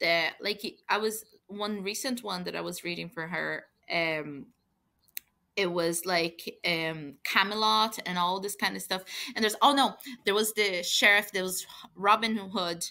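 Fairly slow and bright, sharp in tone, a woman speaks with a Portuguese accent over a very clean recording with a silent background. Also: medium pitch for a woman, ordinary pitch variation. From Brazil. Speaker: romance author. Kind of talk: casual chat.

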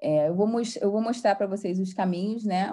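On a very clean recording with a silent background, a woman with a somewhat breathy, dark, mellow tone speaks at a fairly quick pace with ordinary pitch variation. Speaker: training instructor for graduate program staff. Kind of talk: software training tutorial.

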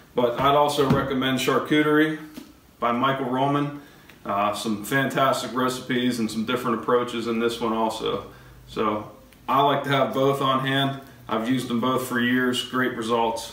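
Speaking at a moderate pace with fairly even intonation, a man is heard with audible room echo and light background noise. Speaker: home cook host. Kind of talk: tutorial. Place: kitchen. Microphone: camera far.

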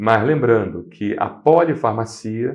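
Very wide pitch swings mark this man's speech. His voice is somewhat breathy. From Brazil. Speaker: allergy doctor giving a medical talk; physician lecturing. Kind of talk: lecture with slides.

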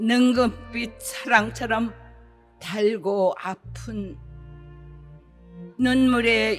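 A very slow delivery with long, frequent pauses and music in the background. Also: woman. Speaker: voice actor. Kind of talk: poetry reading.

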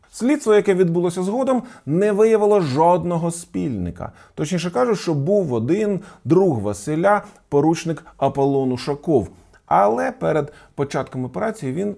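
A man speaks in a dark, mellow tone at a fairly high pitch, with very wide pitch swings. His pace is moderate, and the recording is very clean with a silent background. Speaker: history video presenter. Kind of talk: scripted narration.

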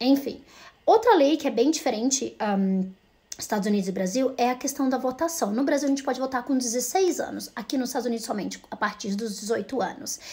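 This woman's voice is high-pitched. She speaks at a fairly quick pace. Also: ordinary pitch variation. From Brazil. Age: 30s. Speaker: English teacher and vlogger; English teacher, vlogger. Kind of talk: casual vlog tutorial. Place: home room. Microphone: phone near.

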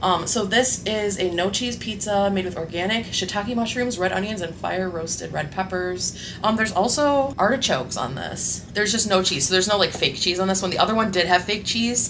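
Hardly pausing at all, a woman speaks at a fairly quick pace with ordinary pitch variation over noticeable background noise. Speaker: food vlogger. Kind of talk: casual vlog chat. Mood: relaxed, enthusiastic. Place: home room.

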